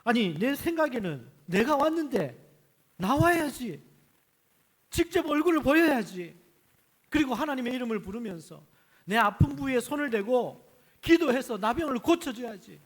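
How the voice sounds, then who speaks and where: A man's voice: extremely high pitch, big pitch swings, moderate pace, voice pushed up, heavily acted. A man preaching acts out a proud army general who rants indignantly. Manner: indignant ranting, rising loud. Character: proud, furious foreign army general, male.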